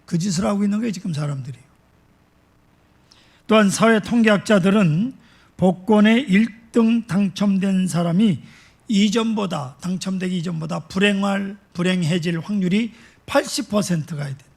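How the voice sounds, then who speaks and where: Gravelly, husky Korean pastor preaching. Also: male voice, high voice, darkish tone. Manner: slow, emphatic preaching with rhetorical questions. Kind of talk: sermon.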